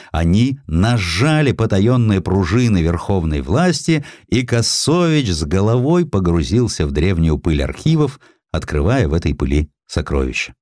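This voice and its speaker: Expressive low-voiced male audiobook narrator. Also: no room sound, clean studio sound. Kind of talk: expressive scripted literary narration. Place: dry studio.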